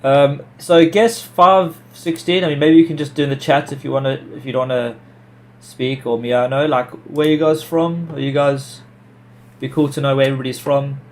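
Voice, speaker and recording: A man's voice: mid-range voice, steady tone, normal speed, roomy sound, far from the mic, slight background noise. A man from Wales hosting a casual team video call, chatty and upbeat, guiding people around. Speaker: host.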